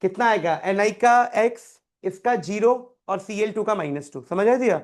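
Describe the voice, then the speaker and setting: A man's voice: high-pitched, lively intonation, moderate pace. Male teacher quizzing students. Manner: quizzes students by name, repeats key terms. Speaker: chemistry teacher. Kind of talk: live classroom tutoring.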